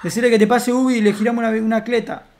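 A man with an Argentine accent, bantering loudly in slang while streaming a role-play game. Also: extremely high pitch, level tone, racing. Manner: loud, joking slang-heavy banter. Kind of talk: casual role-play chat.

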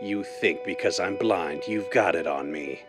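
A cold gangster boss from radio drama. His voice is very low, curt and commanding, full of menace. Music plays clearly behind him. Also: unhurried. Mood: cold, menacing. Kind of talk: old-time radio drama acting.

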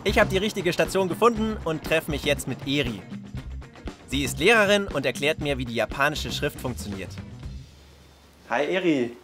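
A young adult presents a children's reportage, explaining things simply in short, casual sentences with a mix of lively narration and chat. His slightly high voice is expressive and moves at a normal speed, with music in the background.

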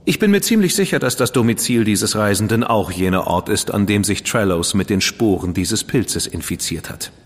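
A flippant, ironic dandy. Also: male voice, fairly low pitch, lively intonation, normal speed, hardly any pauses, in a large hall. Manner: flippant, ironic, self-satisfied. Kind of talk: German radio drama acting.

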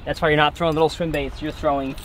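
A man's voice: on the high side, level tone, racing, a bit bright, slight background noise. A young man hosting a fishing channel, talking upbeat and directly to viewers from a boat on a lake. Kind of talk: casual interview and vlog talk.

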